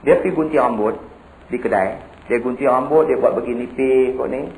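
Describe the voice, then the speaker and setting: A male Muslim preacher, giving a sermon with folksy, animated storytelling. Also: mid-range voice, fairly quick, vocal fry, roomy sound, a little hiss or hum. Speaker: religious preacher.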